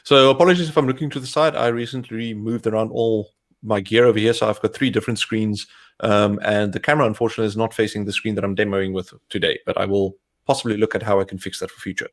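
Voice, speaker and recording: Low-voiced South African man. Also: fast. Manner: talks through steps as he clicks, relaxed. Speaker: co-host, developer advocate. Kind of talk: live coding demo narration.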